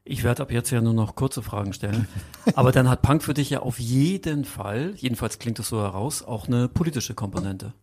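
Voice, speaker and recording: A man's voice: mid-range voice, normal speed, a little mellow, slightly rough. A man interviewing someone in a conversational style, putting questions and reflections to his guest.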